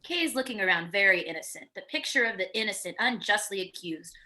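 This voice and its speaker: A woman's voice: mid-range voice, expressive, quick pace, bright, forceful tone. A woman narrating screenplay stage directions in a plain descriptive reading, with the occasional stumble, at a virtual table read.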